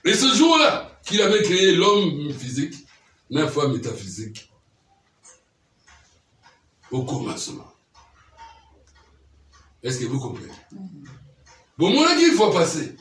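A man's voice: fairly high pitch, wildly swooping pitch, normal speed, a bit bright, slight background noise. A man preaching a teaching sermon, often checking that his listeners follow him with questions. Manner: keeps quizzing listeners with questions. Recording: echoey room, mic far off.

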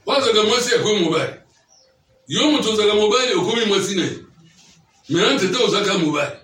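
A man's voice: high voice, expressive, fast, fairly bright tone, soft background music. A man preaching a teaching sermon, often checking that his listeners follow him with questions. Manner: keeps quizzing listeners with questions. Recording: echoey room, mic far off.

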